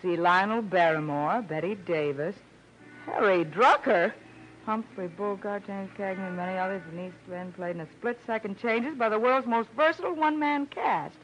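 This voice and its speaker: A woman's voice: mid-range voice, moderate pace, faint music behind, lightly acted. An actress playing a cool, tough, wary young woman in an old radio detective drama, knowing and slangy. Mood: reading aloud. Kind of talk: 1940s-50s radio detective drama acting. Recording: muffled old radio broadcast, faint noise.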